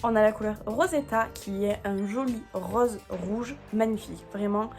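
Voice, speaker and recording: A woman's voice: medium pitch, normal speed, a little mellow, soft background music. A woman presenting nail colours in a casual, enthusiastic chat, with many fillers and stumbling over English colour names she reads from a screen. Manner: chatty, enthusiastic, many fillers and repeated praise. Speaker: beauty vlogger. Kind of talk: casual product showcase.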